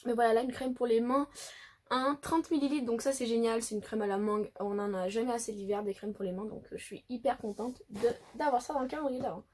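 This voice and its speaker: A woman's voice: a little high, steady tone, fast, a little mellow. A woman vlogger chatting casually through an unboxing, thinking aloud with lots of fillers. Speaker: beauty vlogger.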